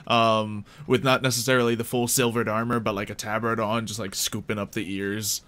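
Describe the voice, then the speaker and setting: A man's voice: fairly low pitch, flat delivery, brisk, a bit bright. A man running a tabletop roleplay game as game master, narrating scenes off the cuff in a casual, conversational way.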